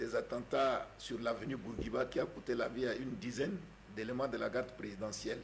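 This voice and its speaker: Speaking in a medium pitch, a man's somewhat breathy voice holds a moderate pace. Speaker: TV panelist. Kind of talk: TV panel debate.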